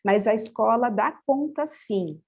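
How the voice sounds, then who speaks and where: A woman's voice: fairly high pitch, expressive, a little slow, a little mellow. A woman with a Brazilian Portuguese accent answering on a panel, thinking aloud with frequent hesitations and restarts. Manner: thoughtful, many hesitations and restarts. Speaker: panel speaker on bilingual education.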